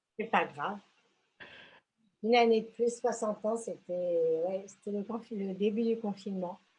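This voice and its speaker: Somewhat breathy and medium in pitch, a woman speaks fairly slowly with fairly even intonation and long, frequent pauses. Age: 60s. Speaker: model and blogger. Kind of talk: interview. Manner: halting.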